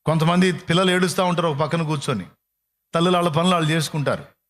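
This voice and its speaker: A man's voice: fairly high pitch, fast talker, a bit bright. A man preaching a sermon as pastor, repeating phrases and acting out prayers and dialogue. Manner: fervent preaching with repetition and quoted prayers. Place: church service.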